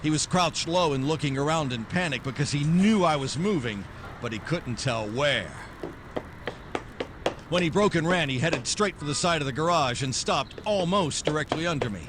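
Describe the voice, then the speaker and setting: Actor as wisecracking hard-boiled detective, higher-pitched. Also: male voice, lively intonation, normal speed, background noise, close to an everyday voice. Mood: tense narration. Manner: clipped wisecracking, hard-edged delivery. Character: tough, sardonic, threatening male hard-boiled private detective. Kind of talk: 1940s noir radio drama acting, first-person narration.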